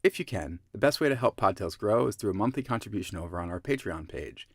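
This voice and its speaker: A man's voice: lowish voice, lively intonation, fast, husky, dry recording, clean studio sound. A man reading a scripted promotional announcement as a member of a podcast team.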